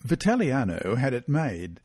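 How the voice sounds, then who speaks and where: A man reading a weekly Bible study lesson and mission story aloud, in a measured, expressive way. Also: mid-range voice, husky, dry recording, clean studio sound.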